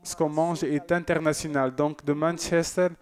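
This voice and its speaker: Man host, church TV, slightly high voice, casual and joking, reads out viewers' messages. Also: steady tone, moderate pace, darkish tone. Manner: chatty and joking, with loose asides. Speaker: church TV presenter. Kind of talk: casual broadcast chat reading viewer messages.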